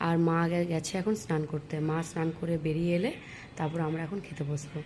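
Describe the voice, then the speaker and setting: A woman chatting to viewers in a casual daily vlog, speaking softly because of a sore throat. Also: low-pitched, steady tone, fast talker. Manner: chatty, addresses viewers directly. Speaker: vlogger. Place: home and outdoors, moving around. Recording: noisy phone recording.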